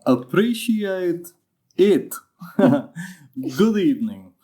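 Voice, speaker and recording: Slow, low, courtly foreign gentleman. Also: very animated, slight background noise, heavily acted. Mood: courteous. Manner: formal, courteous, slightly stilted. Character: courtly, formal foreign gentleman visitor in suit. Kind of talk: audio drama acting.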